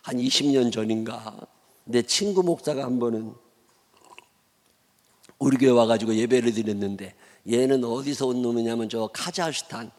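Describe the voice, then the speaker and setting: Folksy Chungcheong preacher in a reverberant church. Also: male voice, mid-range voice, normal speed, darkish tone. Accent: Chungcheong Korean. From Chungcheong, South Korea. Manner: folksy storytelling sermon, blunt and humorous. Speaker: pastor. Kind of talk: sermon. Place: church sanctuary.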